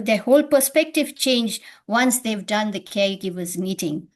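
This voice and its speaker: A woman with a Nepali accent hosting an online webinar, speaking with many fillers and hesitations over a video call. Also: medium pitch. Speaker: webinar host.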